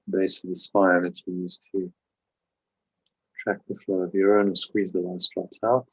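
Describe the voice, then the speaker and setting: Low, husky man guiding a meditation. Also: rough recording. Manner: calm, measured instruction with pauses. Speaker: meditation teacher and host. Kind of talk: guided meditation with spiritual teaching.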